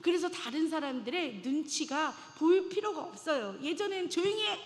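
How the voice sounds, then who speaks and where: A woman delivers a sermon with a high voice, retelling a Bible story with dramatic flair. Her speech rings with the long reverb of a church sanctuary. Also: animated, normal speed. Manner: dramatic, acts out biblical voices. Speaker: preacher.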